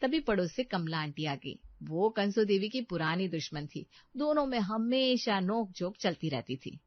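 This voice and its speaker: A woman narrating a cartoon story in a steady storytelling manner. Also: mid-range voice, moderate pace, no room sound, highs cut off.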